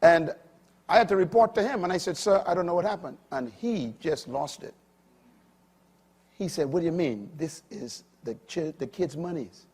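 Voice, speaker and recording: An older man preaching a sermon, swinging from loud emphatic peaks to quiet low asides. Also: normal speed, slightly rough.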